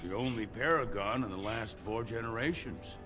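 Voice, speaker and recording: A man's voice: lowish voice, normal speed, music in the background, close to an everyday voice. An actor playing a scornful, gossipy upper-caste dwarf man in a fantasy game, with a haughty manner. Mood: disdainful gossip.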